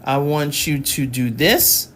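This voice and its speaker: A woman's voice: deep voice, takes it slowly, a bit bright, slight background noise. Chatty woman tutor on a livestream. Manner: chatty, teasing, talks to live chat. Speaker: math tutor. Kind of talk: casual livestream lesson. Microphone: phone.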